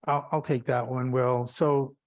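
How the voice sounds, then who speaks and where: A man's voice: mid-range voice, level tone, measured pace, no room sound, dull audio. A man speaking as a company executive, answering investor questions on an earnings call and repeating phrases for emphasis.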